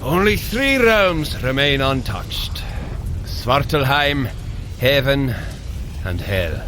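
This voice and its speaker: An actor playing a hearty, boastful warrior god in an audio drama, with jovial, grandiose, archaic speech. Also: male voice, mid-range voice, very animated, slow pace, background noise. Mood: jovial, grand. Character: hearty, boastful warrior god, adult man, good-humoured elder brother. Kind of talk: audio drama acting for a running story.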